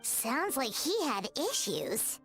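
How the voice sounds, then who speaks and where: A woman voicing a tiny, childlike fairy companion in a video game, squeaky, curious and excitable. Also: takes it slowly, faint music behind, heavily acted.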